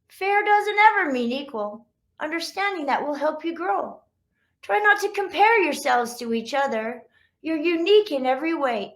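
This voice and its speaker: A high-pitched mother dog from a children's storybook , played by a woman reading aloud. She counsels her squabbling pups in rhyme, firm but loving, with a patient and instructive manner. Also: a bit bright. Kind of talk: children's picture-book read-aloud.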